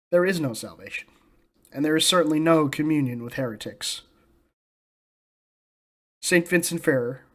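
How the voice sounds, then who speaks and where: An American man hosting a scripted religious commentary, speaking in a solemn, emphatic and declarative manner. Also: on the high side. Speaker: host of a religious commentary channel.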